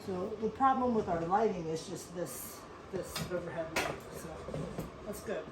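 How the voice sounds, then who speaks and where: A woman's voice: on the low side, moderate pace. A woman born in South Korea and raised in Western Pennsylvania, hosting a casual cooking show from her kitchen in a chatty, rambling way. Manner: chatty, rambling, addresses viewers as folks. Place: home kitchen. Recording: echoey room, faint noise.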